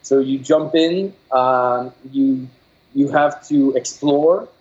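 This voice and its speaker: A man from Quebec whose first language is French, speaking English with a Québécois accent as an interview guest, pausing often to find his words. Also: mid-range voice, darkish tone. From Quebec, Canada. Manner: halting, many fillers and restarts while searching for words. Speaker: game developer guest. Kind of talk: casual interview. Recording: dull lo-fi audio.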